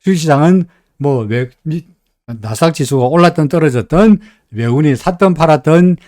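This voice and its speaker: Fairly high-pitched and animated, this middle-aged man's voice is a little mellow and moves at normal speed, captured in a dry, studio-quality recording. He's a stock market analyst from Korea's Gyeongsang region, hosting live commentary in a Gyeongsang accent. The tone is folksy and chatty, and he keeps asking his audience "right?".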